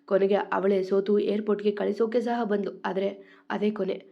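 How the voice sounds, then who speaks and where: A woman storyteller reading a scripted love story in a steady, dramatic way. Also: mid-range voice, a little fast, vocal fry, muffled recording.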